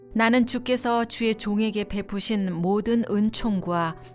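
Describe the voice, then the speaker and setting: Music plays in the background as a woman speaks at a very slow pace with fairly even intonation. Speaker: announcer. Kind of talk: Bible reading.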